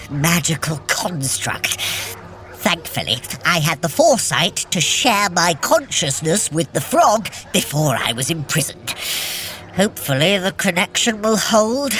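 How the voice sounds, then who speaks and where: A woman's voice: lowish voice, fairly bright tone. A woman playing a scheming trickster god in an audio drama, grandiose and self-satisfied, talking straight to the listener. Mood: urgent, confident.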